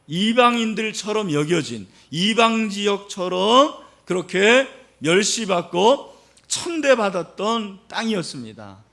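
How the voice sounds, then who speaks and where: In a church sanctuary, a middle-aged man delivers a sermon as pastor, high-pitched and fairly bright in tone. He explains the passage, asks the congregation questions, and leans on a lot of fillers.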